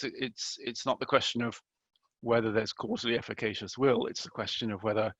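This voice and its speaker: A man asking an articulate, measured academic question over a video call, with some restarts. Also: medium pitch, creaky, a bit bright, dry recording. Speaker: audience questioner. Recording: dull lo-fi video call audio.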